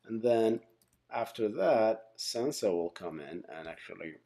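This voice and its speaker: A man with a low, dark, relaxed voice explains things in an informal tutorial. His intonation is highly animated, rising and falling widely. He thinks aloud as he goes and often pauses to check in. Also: creaky. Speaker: software engineering instructor.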